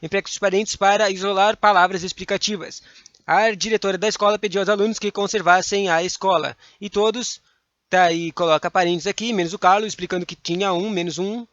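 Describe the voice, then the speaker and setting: A man teaching a grammar lesson for exam prep with a Brazilian Portuguese accent, reading examples aloud with lively emphasis and mumbling quiet asides. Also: sits high, a little fast, dry recording, highs cut off.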